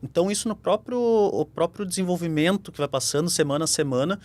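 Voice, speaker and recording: A man with a Brazilian Portuguese accent, a guest lawyer on a podcast, talking in a measured, reflective way. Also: high voice, lively intonation, a little mellow. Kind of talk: conversational interview.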